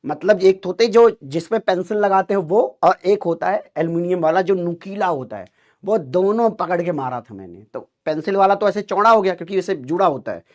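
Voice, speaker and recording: A man with a high voice tells an animated story to his class. He acts out the dialogue with lively drama. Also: brisk. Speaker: teacher telling a story to students.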